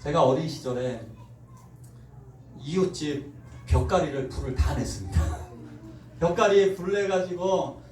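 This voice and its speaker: A pastor giving a Sunday sermon, telling stories and acting out quoted lines with laughter. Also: male voice, on the high side, unhurried, pauses often. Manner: animated storytelling, acts out quoted voices with laughter. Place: church sanctuary. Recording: roomy church hall, mic at a distance.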